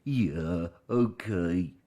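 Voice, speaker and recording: An actor playing an earnest, childlike uncle with learning disabilities, speaking haltingly in a radio play. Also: male voice, deep voice, warm tone, heavily acted. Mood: halting, downcast. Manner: slow, halting, simple repetitive phrasing.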